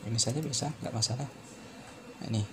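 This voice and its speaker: A man explains a hands-on repair step by step, unscripted and halting, repeating himself as he goes. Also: medium pitch, very noisy. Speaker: phone repair tutorial presenter.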